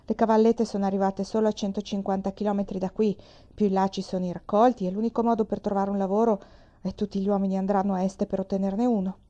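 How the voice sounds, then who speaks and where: A woman's voice: medium pitch, flat delivery, quick pace, dark tone, highs cut off, close to an everyday voice. A woman reading the lines of a determined pioneer father in a storybook, speaking with firm reassurance. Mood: earnest.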